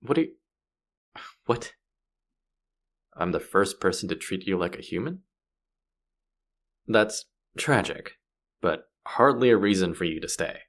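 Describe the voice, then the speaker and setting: A deep-voiced, gruff male space pirate played by a male voice actor speaks directly to the listener in a sci-fi audio roleplay. He comes across as sardonic and easily exasperated, a hard case who only grudgingly softens. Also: animated, unhurried, pauses often. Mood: exasperated, defensive. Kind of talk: scripted audio roleplay, one-sided dialogue to listener.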